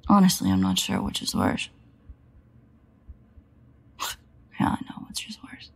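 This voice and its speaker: A woman's voice: extremely low pitch, big pitch swings, unhurried, creaky, slightly rough, in a whisper, full character voice. A woman acting a sardonic, protective, foul-mouthed vampire in an intimate audio roleplay, grumbling sarcastically with hesitant asides. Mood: bitter, brooding.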